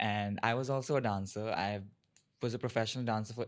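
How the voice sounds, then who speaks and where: A man talks with a fairly low pitch and fairly even intonation in an unremarkable speaking voice. The recording is very clean, with a silent background. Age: 20s. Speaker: fitness trainer. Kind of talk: casual chat.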